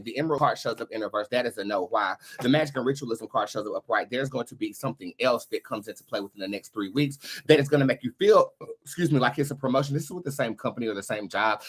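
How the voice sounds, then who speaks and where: A man's voice: medium pitch, a bit bright, slightly rough. A man hosting a casual live tarot reading, chatting to viewers in a sassy, slangy, sweary way. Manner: sassy, slangy, profanity-laced. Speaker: tarot reader and livestream host.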